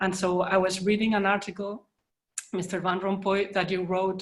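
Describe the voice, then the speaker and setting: A woman speaks with a Spanish accent at a moderate pace. Her medium-pitched voice stays monotone, with flat intonation. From Spain. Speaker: author. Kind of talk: panel discussion.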